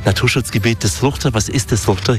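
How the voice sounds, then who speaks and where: A man from Germany hosting a radio travel show, narrating scenes and interviewing locals in a smooth, descriptive way. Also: medium pitch, fast.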